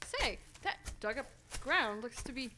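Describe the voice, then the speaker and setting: A woman plays a folksy small-town villager in a radio mystery. The voice is high and very animated, with hesitant, dramatic delivery. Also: a little slow, background noise. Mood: puzzled, indignant. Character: startled small-town New England villager, plain-spoken woman. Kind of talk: old-time radio drama acting.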